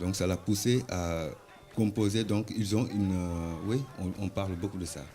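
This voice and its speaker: Fairly low-pitched with a dark, mellow tone, a man speaks at a fairly slow pace with ordinary pitch variation. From Senegal. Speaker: musician and painter. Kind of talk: interview. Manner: halting, many fillers.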